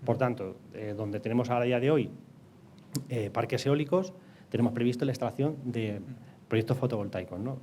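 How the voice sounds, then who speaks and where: Mellow-voiced Castilian man explaining, some background noise. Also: medium pitch, normal speed. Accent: Castilian Spanish. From Castilla-La Mancha, Spain. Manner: hesitant, repeats words as he explains. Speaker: interview guest, energy company project director. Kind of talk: explanatory interview answers.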